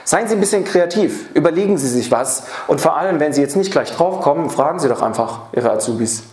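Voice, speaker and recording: A man's voice: on the high side, lively intonation, a little fast, darkish tone. A man giving a seminar talk on apprenticeship training to a live audience, speaking to them directly and posing rhetorical questions. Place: seminar or lecture room. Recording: roomy hall sound.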